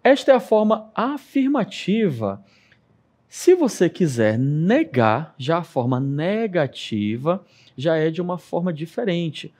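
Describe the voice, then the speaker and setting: Patient Brazilian man teaching slowly. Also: fairly high pitch, big pitch swings, darkish tone. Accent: Brazilian Portuguese. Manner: patient, explains step by step, checks in with "ok?". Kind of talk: televised classroom lesson.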